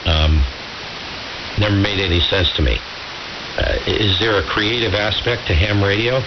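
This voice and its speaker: A man's voice: lowish voice, fairly even intonation, moderate pace. A man chatting casually as an amateur radio operator on AM, informal and musing, with emphatic phrasing. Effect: AM ham radio transmission. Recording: muffled AM radio with loud hiss. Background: radio hiss.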